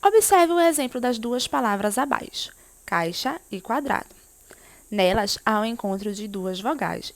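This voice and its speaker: On the high side and creaky, this woman's voice comes with no room sound. She is a primary school teacher leading a remote lesson for young pupils, going step by step and regularly questioning them.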